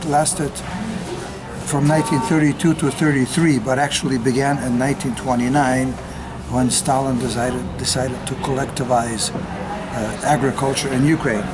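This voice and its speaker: An older man who grew up in the United States, a retired sociologist giving an unscripted personal account, often pausing on fillers as he speaks. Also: medium pitch, fairly even intonation, noisy background. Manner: halting, with frequent filler pauses. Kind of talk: unscripted spoken testimony.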